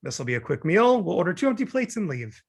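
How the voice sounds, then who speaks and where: A man's voice: high-pitched, sing-song, quick pace, slightly rough, heavily acted. A man playing a neurotic, wisecracking, talkative single man who gets defensive in a table read of a film comedy. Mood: anxious, exasperated. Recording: remote video-call table read.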